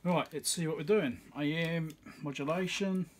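A man with a fairly high voice talks at a moderate pace while working at a small, messy electronics bench indoors, with a bit of hiss or hum underneath. As a repair technician and video host, he mutters casual commentary, thinking out loud.

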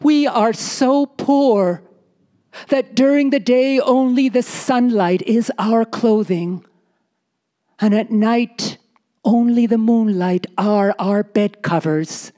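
Woman telling a tale as a nomad's worried wife, pleading, insistent, high raised voice, slow deliberate phrasing. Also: mellow. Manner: pleading, repeating "husband" with rising intensity. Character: poor desert nomad's wife, anxious and insistent.

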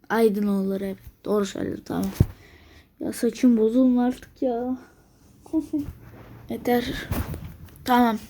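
High-voiced exasperated woman gamer. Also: darkish tone. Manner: exasperated, grumbling at the game; thinking aloud to herself. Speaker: gameplay video maker. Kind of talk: strategy game commentary.

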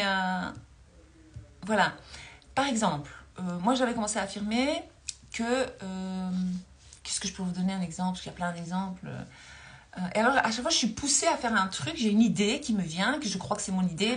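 Recorded on a phone held near her in a dim room, a woman in her forties from Belgium works as a spiritual coach on a livestream. Her medium-pitched voice runs a little fast, and she keeps things casual and chatty, laughing often and reading viewer comments out loud.

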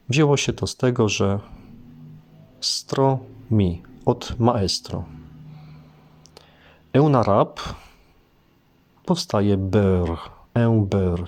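Low-voiced man teaching a language lesson. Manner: explanatory, unhurried, with hesitant fillers. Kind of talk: casual spoken lesson.

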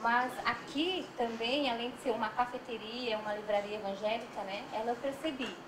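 A woman from Brazil who works at a café, telling of an experience at work in a soft, hesitant way with many fillers. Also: fairly high pitch, moderate pace. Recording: echoey room with background noise.

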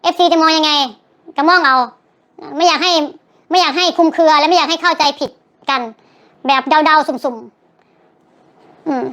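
A woman's voice: high-pitched, a little slow, long pauses, sharp tone. An older woman, telling her side of a story in a rambling, chatty way in a recorded clip, with a sore throat. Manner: rambling, chatty, self-correcting. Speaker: vlogger.

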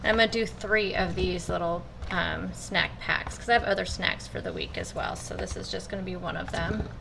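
A woman's voice: on the low side, normal speed, creaky, background noise. Chatty woman cooking in a home kitchen. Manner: chatty, addresses viewers as you guys. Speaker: cooking vlogger. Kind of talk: casual step-by-step cooking talk.

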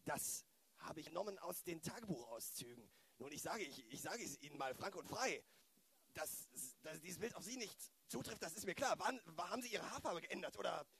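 A man playing a stammering, excitable police detective in an improvised amateur radio play. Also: on the high side, brisk, gravelly. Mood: intrigued. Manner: hesitant, repetitive, stammering.

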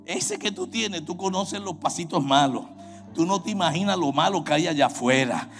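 High-voiced Puerto Rican preacher, shouting and singing. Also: male voice, very animated, moderate pace, soft background music. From Puerto Rico. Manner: swings from quiet talk to shouted, sung exhortation. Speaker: pastor. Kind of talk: sermon.

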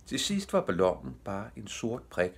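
An older man reading a children's bedtime story aloud with gentle, lively storytelling. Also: on the low side, vocal fry, slightly rough. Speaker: audiobook reader.

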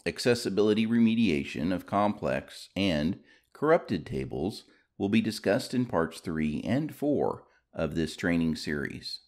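Male tutorial narrator, low voice, lively intonation, scripted, measured, clearly enunciated.

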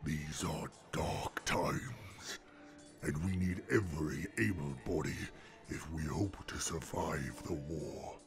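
A man voicing a grave, brooding dark-fantasy leader with a breathy, gravelly voice. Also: extremely low pitch, slow pace, faint music behind, heavily acted. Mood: grim, brooding.

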